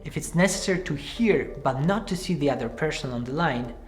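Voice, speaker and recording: Man teaching in measured, clear tones. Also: on the high side, animated, faint music behind. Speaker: screenwriting teacher. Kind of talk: scripted tutorial to camera. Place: small room with cards pinned on the wall.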